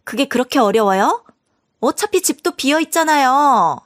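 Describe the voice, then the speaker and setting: A woman reading a scripted story, voicing a brazen, rude young sister-in-law in a shrill, dismissive manner. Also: animated, moderate pace, a bit bright.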